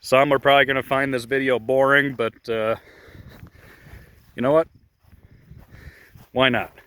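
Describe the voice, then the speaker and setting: A man's voice: medium pitch, fairly even intonation, a little slow, a bit bright, clear, resonant tone. A man casually narrating a walking tour outdoors at a grassy field, rambling and chatty with many fillers, recorded on a phone he holds while walking. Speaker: model airplane club member giving a field tour. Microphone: phone held while walking.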